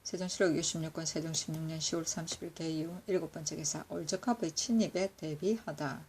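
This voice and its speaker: A woman reading historical court annals aloud in a steady, measured recitation, now and then correcting herself. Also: deep voice, a little hiss or hum. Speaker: reader of historical records.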